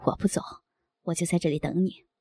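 Woman narrator doing a soft-spoken coaxing man: gravelly, husky half-whisper. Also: fairly low pitch, animated, moderate pace, no room sound, pitched below the performer's own voice, full character voice. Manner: tender, wheedling.

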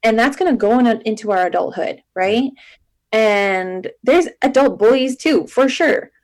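A woman's voice: fairly high pitch, lively intonation, unhurried, darkish tone, low-quality recording. Chatty woman on a podcast. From Alberta, Canada. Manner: chatty and emphatic, many "like" and "you know". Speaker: guest, marketing agency founder. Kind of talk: casual podcast interview.

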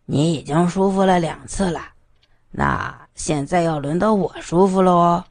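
A woman's voice: lowish voice, unhurried, darkish tone, no room sound, voice pushed down. A woman voicing a cocky, teasing young male lover in an audio story. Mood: smug teasing. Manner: smug, teasing.

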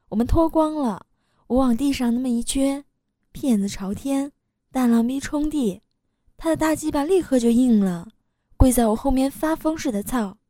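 A woman reading a first-person story aloud in a low-key, relaxed way. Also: dry recording, clean studio sound. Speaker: story reader.

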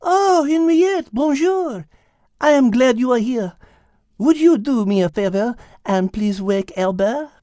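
A woman's voice: on the high side, expressive, a little slow, mellow, no room sound, studio quality. A woman voicing a bossy, polite and dainty female animal leader with a French accent in a children's story. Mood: warm greeting.

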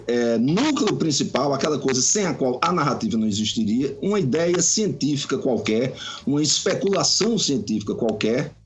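A man, a guest writer, explaining at length in a measured, lecturing way during a podcast conversation. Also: on the high side.

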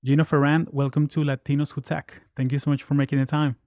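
A man's voice: a little high, flat delivery, fast talker, darkish tone, dry recording, clean studio sound. A man hosting a podcast, giving upbeat announcements and interviewing a guest in a friendly, conversational way. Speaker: podcast host.

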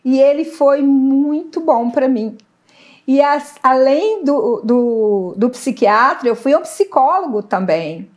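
A middle-aged woman giving an emotional faith testimony, earnest and halting, often searching for words. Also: sits high, expressive. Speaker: guest sharing testimony.

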